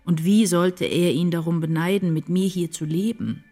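An actress playing an introspective woman writer, narrating her inner life in a measured, literary radio-drama style. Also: on the low side, fairly even intonation, warm tone. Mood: intense, reflective. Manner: measured, deliberate.

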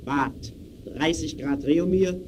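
A slow, fairly high male voice as a clinical official reading a file. Each phrase is clipped and impersonal, declaimed in 1920s radio drama manner over faint noise. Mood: clinical, insistent. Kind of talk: 1920s German radio play, staccato report. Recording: noisy early radio recording.

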